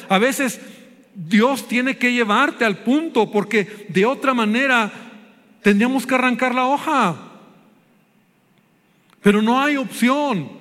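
A man's voice: high voice, fairly bright tone, long reverb tail. A male pastor with a Mexican Spanish accent, preaching earnestly and repeating phrases for emphasis. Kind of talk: sermon. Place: church sanctuary.

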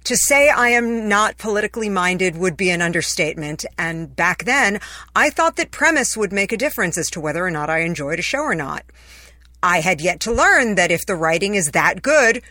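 A woman's voice: medium pitch, bright, forceful tone, no room sound, studio quality. A woman reading her own written essay in a conversational, personal storytelling manner. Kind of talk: scripted first-person essay narration.

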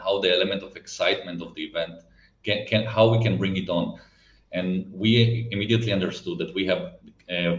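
A man's voice: low-pitched, fairly bright tone. A non-native English-speaking man with a foreign accent, explaining things conversationally and searching for words at times. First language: not English. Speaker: event technology company guest. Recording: roomy, slightly dull lo-fi sound.

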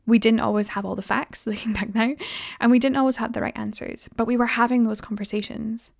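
A young woman from Fife with a softened Scottish accent, hosting a podcast in a conversational style. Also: fairly high pitch, fairly even intonation, fairly quick, vocal fry, dry recording, clean studio sound. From Fife, Scotland. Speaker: podcast host.

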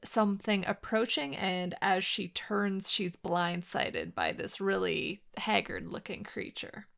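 A woman co-hosting a casual podcast, relaxed and recapping plot in a plain, easy way. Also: mid-range voice, takes it slowly, gravelly. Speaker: podcast co-host. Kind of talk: casual chat.

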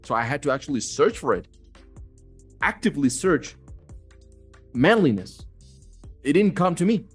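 A man's voice: fairly high pitch, sing-song, moderate pace, long pauses, breathy edge. A man hosting a casual motivational chat, talking bluntly and swearing freely. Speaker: host of a talk on manhood. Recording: music behind the voice. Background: music.

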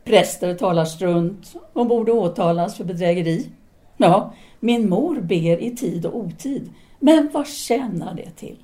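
A woman's voice: medium pitch, warm tone, natural voice. A woman acting in an audio drama as a self-assured female philosophy teacher in 1930s Paris, speaking in an articulate, formal, didactic way. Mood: lecturing, firm.

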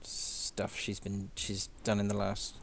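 Enthusiastic low-voiced man. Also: monotone, slow pace, creaky, a little hiss or hum. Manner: enthusiastic, chatty, laughs easily. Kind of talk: casual chat.

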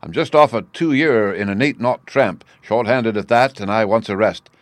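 Man playing wizened old seaman, crafty, wheedling, sinister undertone, rough speech, storybook villain, close dry sound. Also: on the low side, moderate pace, no echo, close to an everyday voice.

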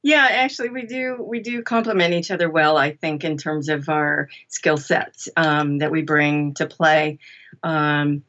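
Lowish-voiced woman chatting, slightly muffled sound. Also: fairly even intonation, a little slow, fairly bright tone. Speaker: interview guest, audiobook narrator. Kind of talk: casual conversational explanation.

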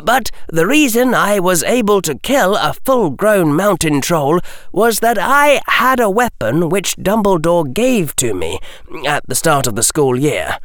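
A man's voice: high-pitched, big pitch swings, measured pace, a bit bright, no echo, clean studio sound, pitched above the performer's own voice, heavily acted. A man doing an earnest, firm boy wizard. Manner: firm, careful, raised voice. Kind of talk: audiobook character voice.

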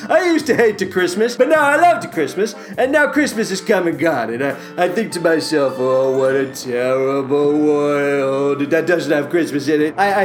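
A man's voice: a little high, lightly acted. Een man die een jammerend furry Kerstmonster speelt. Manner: whiny, sobbing, melodramatic self-pity. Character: whiny furry green Christmas-hating male creature. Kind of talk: comedic ad parody.

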